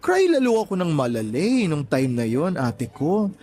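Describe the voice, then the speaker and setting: A man's voice: fairly high pitch, huge pitch swings, moderate pace, warm tone. A man playing a flamboyant young gay Filipino in a radio drama, sassy and dramatic, with slangy exclamations. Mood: dramatic recounting. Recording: music playing under the voice.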